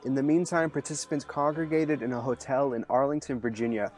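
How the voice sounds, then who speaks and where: Male narrator, earnest even reporting, faint music under it, outdoor urban setting. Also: mid-range voice, a little fast. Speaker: video host and interviewer. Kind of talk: scripted narration.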